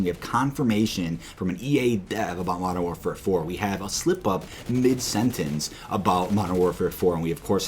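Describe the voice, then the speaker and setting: A man's voice: low-pitched, darkish tone, a little hiss or hum. A man giving informal, opinionated video commentary to viewers as a gaming news host, explaining things with emphasis. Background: background music.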